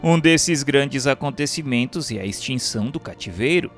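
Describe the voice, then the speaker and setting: Male narrator, medium register, formal and measured scripted read over a light music bed. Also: medium pitch, lively intonation. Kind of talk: scripted audiobook-style narration of a spiritual history text. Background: instrumental music.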